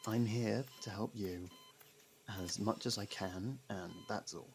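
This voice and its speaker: A man playing a gruff, guarded convict who hides a fondness for a detective partner, speaking hesitantly and defensively in an intimate audio roleplay. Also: on the low side, fairly even intonation, measured pace, slight background noise. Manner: defensive, hesitant, sardonic, with stammered denials.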